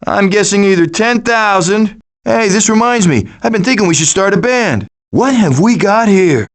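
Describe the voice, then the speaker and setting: A wisecracking raccoon gang leader from a cartoon video game. The voice sits high for a male and swings widely in pitch. The delivery is glib and cocky, with a sarcastic, scheming edge. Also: animated, normal speed. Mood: sarcastic, casual. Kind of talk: animated video game voice acting.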